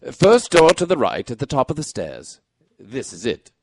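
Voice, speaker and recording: A man playing a composed, courteous gentleman detective in a radio mystery, speaking formally and precisely. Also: medium pitch, huge pitch swings, normal speed. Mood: brisk, confident. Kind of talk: radio mystery drama acting.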